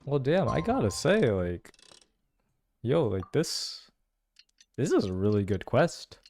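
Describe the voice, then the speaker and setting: A man's voice: medium pitch, big pitch swings, slow, a little mellow. A young man giving casual, slangy, musing reaction commentary on a game. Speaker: gameplay reaction host. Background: game music.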